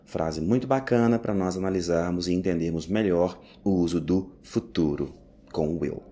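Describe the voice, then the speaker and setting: A man teaching English in a recorded lesson, explaining step by step and slowly repeating each phrase. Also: low voice, mellow. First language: Portuguese.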